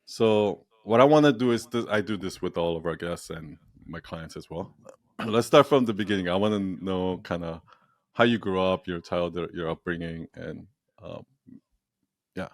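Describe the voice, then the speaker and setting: A man's voice: low-pitched, moderate pace, no echo. A man hosting a podcast, interviewing his guest in a casual, conversational way. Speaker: podcast host.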